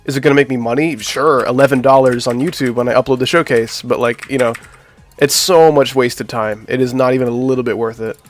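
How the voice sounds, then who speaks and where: While building a game level on a live stream, a man whose voice is nasal from illness chats easily with his viewers as he works. He speaks at medium pitch with a steady tone and fairly quick pace, over soft background music.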